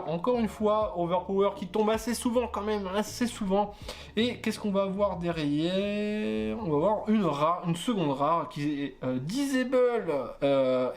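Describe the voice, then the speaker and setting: A man's voice: sits high, slight background noise. A man casually chatting while opening trading card boosters, hesitant with many fillers and self-corrections, stumbling over English card names. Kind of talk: casual booster unboxing chat.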